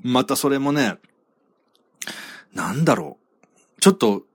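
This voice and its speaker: A man's voice: mid-range voice, big pitch swings, unhurried, breathy edge, dry recording, clean studio sound. A man hosting his own podcast, reading out listener comments in a rambling, self-deprecating way with frequent chuckles. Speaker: podcast host.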